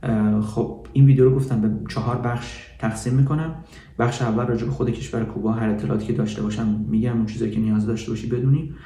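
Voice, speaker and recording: Somewhat breathy, with a dark, mellow tone, a man talks at a fairly quick pace. His pitch varies in an ordinary way, and there is audible room echo. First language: Persian. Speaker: travel vlogger. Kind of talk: casual travel review monologue. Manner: hesitant with many fillers.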